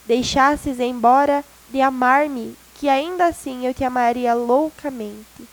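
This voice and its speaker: A woman's voice: high-pitched, slow, poor audio. A woman reading the lines of an ardent, anguished young man in a spoken storybook.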